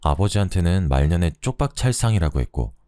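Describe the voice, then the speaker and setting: A man's voice: low voice, lively intonation, brisk, warm tone, no echo, clean studio sound. A man voicing an eager grown son, coaxing his father.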